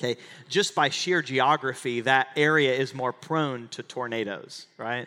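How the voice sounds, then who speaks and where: A man with a medium-pitched voice and a bright, sharp tone talks at a fairly slow pace with ordinary pitch variation in a very clean recording with a silent background. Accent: American. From Oklahoma. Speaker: pastor. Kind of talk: sermon. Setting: church with live congregation.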